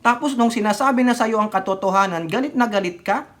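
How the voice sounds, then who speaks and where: A woman's voice: fairly high pitch, fairly quick. A woman vlogger giving opinionated political commentary, switching between Tagalog and English mid-sentence and scolding with rhetorical questions. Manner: rhetorical, scolding, keeps asking "right or wrong?".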